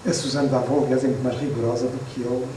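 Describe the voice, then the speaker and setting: A man's voice: mid-range voice, little pitch movement, fast talker, dark tone. Reflective Portuguese man, distant in echoey room. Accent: European Portuguese. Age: 50s. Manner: reflective storyteller, hesitant restarts, wry self-deprecating asides. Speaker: photographer and book author at a presentation. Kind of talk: relaxed anecdotal talk to an audience. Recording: echoey room, distant mic, faint noise.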